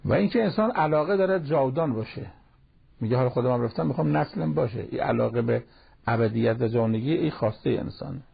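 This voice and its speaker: A man with a gravelly, husky voice preaches in an easy, talky way and slips in recited Arabic verses. He, and the sound is dull and lo-fi, like an old radio broadcast. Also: mid-range voice, animated. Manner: plain conversational preaching, quotes Arabic verses. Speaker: cleric giving a Quran commentary talk. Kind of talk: sermon-style Quran commentary.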